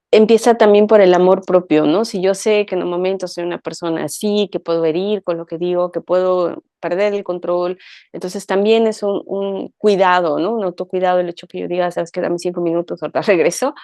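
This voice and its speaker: A woman with a mellow, warm tone talks reflectively on a talk show, often checking in with a little questioning tag. The sound is close and dry, with no room around it. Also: lowish voice, no echo. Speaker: co-host. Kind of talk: conversational talk show discussion.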